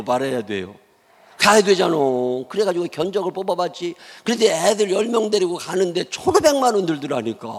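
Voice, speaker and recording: A man's voice: sits high, gravelly, long reverb tail. A middle-aged man with a Chungcheong accent preaching a sermon as a pastor, telling stories in a blunt, humorous, folksy way. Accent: Chungcheong Korean. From Chungcheong, South Korea. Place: church sanctuary.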